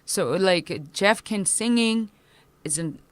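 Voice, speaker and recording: Guesting in a casual interview, a punk musician in her thirties whose native language is Korean speaks English haltingly, with many fillers and restarts. Her voice is medium-pitched with lively intonation, in a dry recording.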